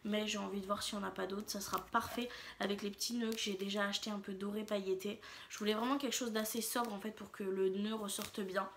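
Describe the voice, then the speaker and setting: This vlogger talks to her viewers in a relaxed, chatty shopping haul video, wandering off topic and hesitating often with lots of fillers. She speaks at a quick pace in a flat, mid-range voice, and there's slight background noise.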